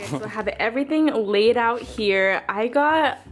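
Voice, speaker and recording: A woman's voice: on the high side, expressive, measured pace. An American woman casually reviewing food for a vlog, chatting informally with plenty of slang. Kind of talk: casual chat while tasting food on camera. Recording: roomy, off-mic, music behind.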